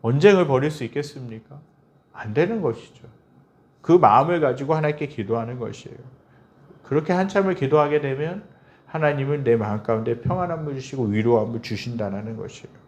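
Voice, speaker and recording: A man's voice: animated, a little fast, a little mellow. A male pastor preaching a Sunday sermon, asking the congregation questions and acting out prayers in a lifted voice. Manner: acts out prayers and quoted speech with a lifted pitch; asks the congregation rhetorical questions.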